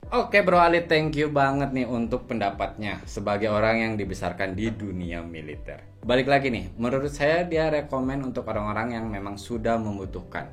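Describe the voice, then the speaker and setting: A man's voice: on the low side, animated, normal speed, few pauses. A man hosting a product review, explaining things in an informal, conversational way. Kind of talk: casual scripted-feel gadget review to camera.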